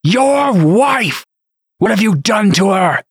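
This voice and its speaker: A man's voice: medium pitch, steady tone, moderate pace, slightly rough, no room sound, clean studio sound. A man voicing a righteous, vengeful holy knight in an audiobook, intense and threatening. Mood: furious. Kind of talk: audiobook character acting.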